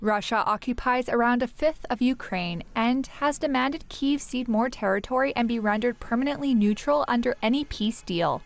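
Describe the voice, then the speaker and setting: A woman's voice: a little high, vocal fry. A woman narrating a scripted news report as a reporter, with matter-of-fact delivery.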